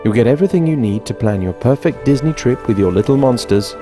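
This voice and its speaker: A man doing a clear, persuasive commercial and training voice-over. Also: mid-range voice, expressive, fast talker, music in the background.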